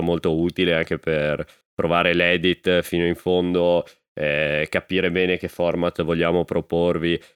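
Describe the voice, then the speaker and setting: Here a man speaks at a moderate pace with a very deep, low pitch, monotone flat intonation and very even loudness. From northern Italy, born near Milan. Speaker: podcast host, climber. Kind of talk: casual chat.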